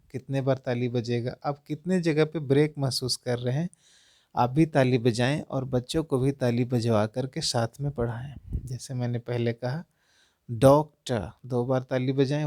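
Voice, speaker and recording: Man, reading tutor addressing parents; slow, careful delivery, breaks words into syllables, dry close sound. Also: medium pitch, darkish tone, no echo. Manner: repeatedly addresses dear parents. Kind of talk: instructional talk to parents.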